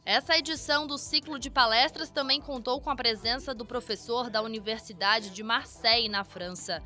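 Bright Brazilian woman news narrator. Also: fairly high pitch, normal speed. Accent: Brazilian Portuguese. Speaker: reporter.

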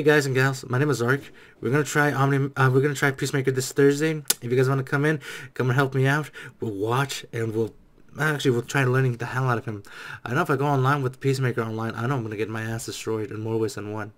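A man in his twenties giving casual reaction commentary as a streamer, excitable, repeating himself and swearing freely. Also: mid-range voice, brisk. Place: small dim room at home.

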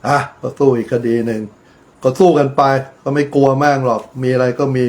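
A man's voice: mid-range voice, fairly even intonation, fairly quick, darkish tone. A middle-aged man giving casual, profane political commentary on his own channel, blunt and lecturing. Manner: blunt, crude, swears freely; preachy, lecturing advice.

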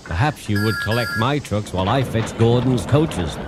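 A man's voice: on the low side, expressive, very noisy, close to an everyday voice. A man doing a proud, cheeky steam engine. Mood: smug, teasing. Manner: brisk and sure of himself.

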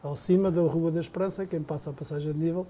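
A man's voice: on the high side, steady tone, quick pace, warm tone. A male podcast host who grew up outside Portugal asks curious questions and breaks in to explain details for the listeners. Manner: curious, steers the talk and explains things for listeners. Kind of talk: casual interview.

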